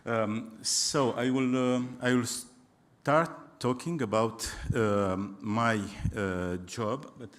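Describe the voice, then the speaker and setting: A man with a Romanian accent, a native Romanian speaker, giving a public astronomy lecture in English, pausing often and restarting as he searches for words. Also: medium pitch.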